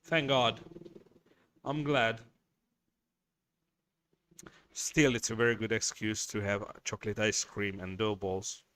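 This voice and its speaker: A man's voice: fairly low pitch, fairly even intonation, measured pace, a bit bright. A man hosting a casual livestream, chatting with viewers, reading their messages and swearing bluntly as he rambles. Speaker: livestream host.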